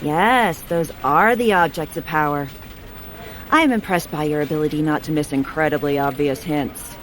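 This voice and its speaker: A woman's voice: low-pitched, normal speed, background noise, close to an everyday voice. A woman playing a haughty underworld handmaid and sorceress in a fantasy audio drama, dry and withering.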